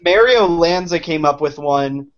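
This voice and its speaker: Man, casual podcast host, somewhat high voice, slightly lo-fi audio. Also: animated, a little slow. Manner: casual, calls others "dude". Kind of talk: casual chat.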